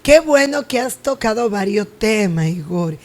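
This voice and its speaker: A woman's voice: mid-range voice, lively intonation, a little slow. A woman pastor hosting a Christian interview, speaking in a preachy, exhorting way. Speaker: pastor and host.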